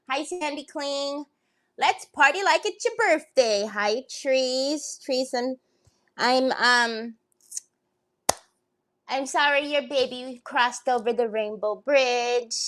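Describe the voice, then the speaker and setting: A woman in her fifties with a high, bright-sounding voice hosts a craft livestream. She greets viewers one by one in a bubbly, chatty way and laughs easily. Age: 50s.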